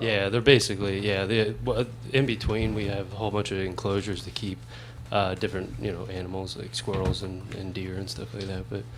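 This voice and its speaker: Mumbling at a fairly quick pace, a man talks with a fairly low pitch and ordinary pitch variation in a room with audible echo. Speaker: veterinarian, applicant at public hearing. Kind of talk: testimony at county board hearing. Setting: public meeting at podium. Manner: mumbling, halting.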